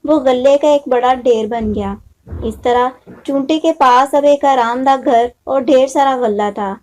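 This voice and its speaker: A woman's voice: high voice, unhurried, a little mellow. A woman storyteller reading a scripted moral story for children.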